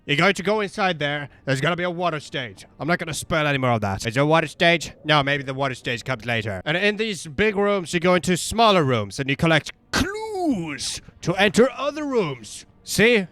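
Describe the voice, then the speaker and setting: A man giving casual gameplay commentary in a rambling, irreverent, animated way. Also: fairly high pitch, moderate pace, hardly any pauses. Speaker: video game streamer.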